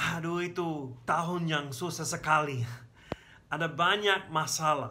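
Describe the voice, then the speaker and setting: Speaking fairly slowly with an English accent, a man keeps a fairly even intonation amid noticeable background noise and audible room echo. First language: English (speaking Indonesian). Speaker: pastor. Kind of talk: sermon. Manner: halting.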